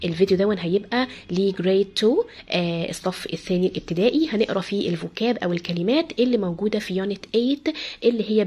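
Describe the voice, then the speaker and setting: A woman teacher with an Egyptian Arabic accent, reading vocabulary words for young children and repeating each one slowly and clearly. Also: medium pitch, a little mellow. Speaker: English teacher.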